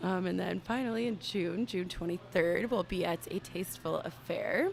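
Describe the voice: A woman is heard at a moderate pace. Music plays behind her.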